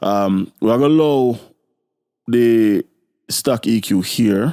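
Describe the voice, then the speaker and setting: A man's dark, mellow tone at a very slow pace, with ordinary pitch variation. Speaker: music producer. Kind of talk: tutorial. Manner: casual.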